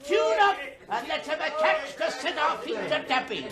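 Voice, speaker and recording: A jovial old gentleman in a period radio drama, pitched very high and swooping with excitement. He chuckles through his hearty commands over a loud crowd of revellers. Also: moderate pace, vocal fry, exaggerated voice. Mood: merry. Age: older. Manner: booming, chuckling, merrymaking. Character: jovial old merchant host, hearty and boisterous. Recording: lively crowd of revellers behind. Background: party crowd.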